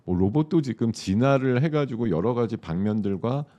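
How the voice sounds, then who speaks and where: A man's voice: medium pitch, animated, moderate pace, warm tone, highs cut off. A man with a sore throat, a stock market commentator explaining trends in loose, conversational live-show chat with many fillers.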